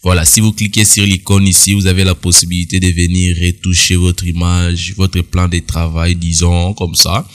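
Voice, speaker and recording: A man's voice: sits low, little pitch movement, normal speed, hardly any pauses, fairly bright tone. A man walking viewers through a phone editing app in a casual, explanatory screen-recorded tutorial. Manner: explanatory, addresses viewers directly, casual asides. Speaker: tutorial instructor.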